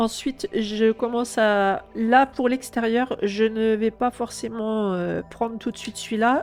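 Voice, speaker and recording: A woman at a very slow pace with hardly any pauses and fairly even intonation. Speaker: coloring tutorial creator. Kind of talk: tutorial. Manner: casual, hesitant with many euh.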